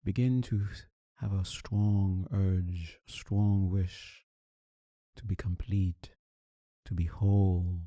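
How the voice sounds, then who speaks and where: A man leading a guided meditation as a teacher, speaking calmly and soothingly with long, deliberate pauses. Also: low-pitched, dry recording.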